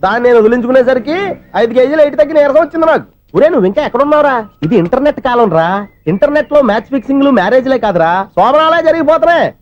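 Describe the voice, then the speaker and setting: A man's voice: extremely high pitch, expressive, rapid-fire. A man playing a boastful young friend who lectures a pal on love in a film comedy scene. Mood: lecturing.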